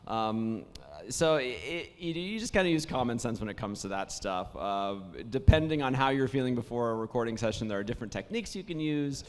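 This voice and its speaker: A man, raspy and worn after days of talking, answers questions at a convention panel. His voice sits mid-range and rambles warmly through false starts. A long hall reverb trails every word. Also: medium pitch, animated, a little fast, few pauses. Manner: warm storytelling, many restarts and fillers. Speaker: voice actor panel guest. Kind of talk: casual convention panel talk.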